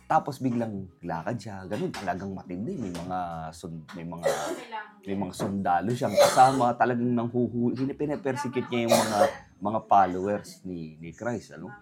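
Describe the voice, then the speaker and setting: Male, casual storyteller, rambling, animated quoting. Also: on the low side, moderate pace. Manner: rambling, animated retelling with quoted voices and code-switching. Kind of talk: casual chat.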